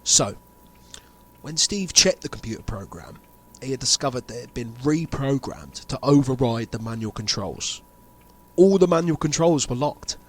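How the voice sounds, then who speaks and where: Speaking slowly and pausing for effect, a man takes the role of a grave insider unveiling a sinister plot in an amateur audio drama. His natural, medium-pitched voice carries lively intonation, and his mood is grave and certain.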